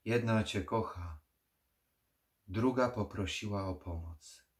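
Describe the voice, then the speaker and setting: A man's voice: fairly low pitch, slow. A man voicing the ghost of a sad mother who pleads and gives solemn warnings in an audiobook horror reading. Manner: pleading then solemn, foreboding.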